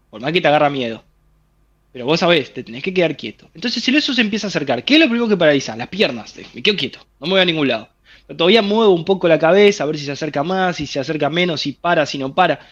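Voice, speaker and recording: A man's voice: fairly high pitch, animated, fast, fairly bright tone, lo-fi sound. A man with a Rioplatense Spanish accent, explaining a health theory in an interview through vivid everyday scenarios told straight to the listener. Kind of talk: animated explanatory interview talk.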